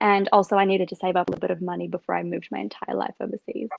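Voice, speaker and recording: This woman speaks with a New Zealand accent. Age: 20s. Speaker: pageant candidate. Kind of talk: interview. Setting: live video stream.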